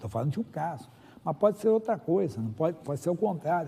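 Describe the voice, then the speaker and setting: A man with a Brazilian accent has a dark, mellow tone and sounds somewhat breathy. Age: 60s. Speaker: pastor. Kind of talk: sermon.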